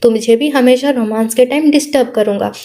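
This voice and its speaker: Audiobook: young man who teases and grumbles, read by a woman in a high voice. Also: a little fast, warm tone, natural voice. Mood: grumbling. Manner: irritated teasing.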